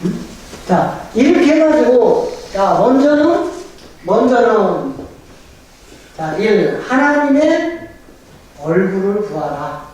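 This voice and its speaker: A man's voice: high-pitched, slow pace, long pauses, a little hiss or hum. A middle-aged male pastor preaching a humorous seminar sermon, acting out prayers and quizzing the audience. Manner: animated, joking, acts out prayers and quotes; asks the audience questions and waits for replies. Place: church hall at a pastors' seminar. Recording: echoey hall from far off.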